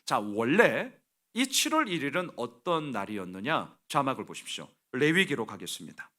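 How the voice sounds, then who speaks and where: A man's voice: medium pitch, very animated, moderate pace, sharp tone. A man preaching a Sunday sermon as pastor, emphatic, asking rhetorical questions and acting out voices.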